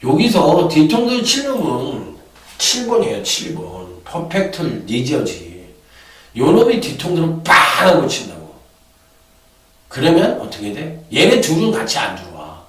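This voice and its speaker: A man's voice: fairly high pitch, very animated, unhurried, a bit bright. Rowdy man giving racing tips, echoey room. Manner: rowdy, profane, acts out voices and chants. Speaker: horse racing tipster. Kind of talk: casual betting tip broadcast. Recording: echoey, from far off the mic.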